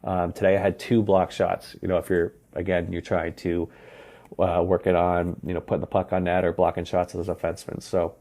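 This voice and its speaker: A young man talks through his hockey podcast in a deep, even voice that barely rises or falls. His tone is dark and mellow. He rambles casually and fills pauses with ums and you knows. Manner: relaxed, rambling, many fillers. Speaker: hockey coach and podcast host. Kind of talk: casual solo podcast talk.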